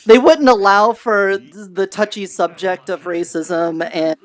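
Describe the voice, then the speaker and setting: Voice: mid-range voice, a little slow. Joking, rambling roleplayer in casual chat. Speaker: VRChat roleplayer.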